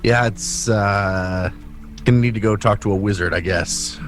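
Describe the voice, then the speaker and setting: A man's voice: on the low side, fairly even intonation, unhurried, faint music behind. A man playing a tabletop role-playing game, chatting casually with joking, sweary banter.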